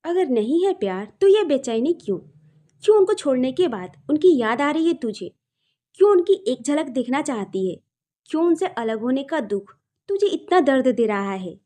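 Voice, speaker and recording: A woman voicing a caring young female friend who gently presses with earnest questions. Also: high-pitched, sing-song, normal speed. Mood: tender. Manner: probing, coaxing, earnest.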